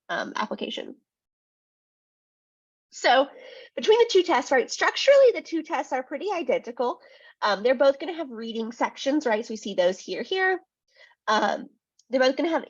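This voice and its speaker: Brief: woman tutor, slightly high voice, a bit husky and sniffly, chatty webinar delivery. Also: no echo. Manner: chatty, frequent "um" and "right?". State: sniffly from a cold. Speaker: test prep tutor. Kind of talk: webinar presentation. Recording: dull lo-fi webinar audio.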